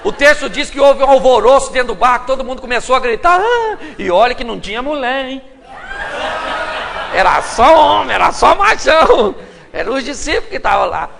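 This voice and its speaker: A man with a Brazilian accent preaches with a high, sharp, gravelly voice. He tells the story in a playful, joking way. The sermon is recorded in a hall with a long echo. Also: animated, a little fast, crowd noise, noisy background. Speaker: pastor. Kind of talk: humorous sermon. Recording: reverberant live hall recording.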